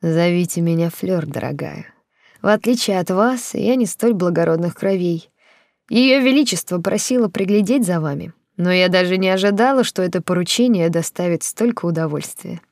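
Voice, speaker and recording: A woman narrator voicing a poised court lady in her fifties, measured and slightly gloating. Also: on the low side, a little mellow, no echo, clean studio sound, close to an everyday voice. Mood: gracious. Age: 50s. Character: poised older court lady, wry and gracious.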